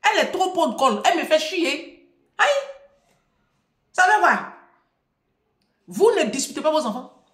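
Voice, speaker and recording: A woman talks to her followers in a mocking, emphatic monologue, laughing often and swinging between loud and soft. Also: high-pitched, sing-song, brisk. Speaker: social media vlogger. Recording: echoey room.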